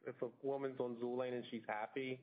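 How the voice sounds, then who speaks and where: A man's voice: medium pitch, level tone, a little fast. A man speaking as a company executive on a phone conference call, answering in an informal, folksy way. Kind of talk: earnings call answers, business talk. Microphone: telephone conference call. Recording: tinny phone line.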